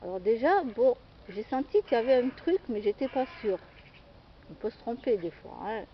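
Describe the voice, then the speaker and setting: A woman with a fairly high voice rambles through a personal story, stopping often to hesitate and restart. The recording sounds dull and lo-fi, with faint outdoor noise and birdsong behind her. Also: lively intonation, normal speed. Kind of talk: casual storytelling monologue.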